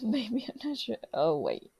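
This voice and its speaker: A woman's voice: mid-range voice, huge pitch swings, takes it slowly, mellow, slightly rough. A woman in a casual chat as a podcast co-host, speaking in a hesitant, self-effacing way.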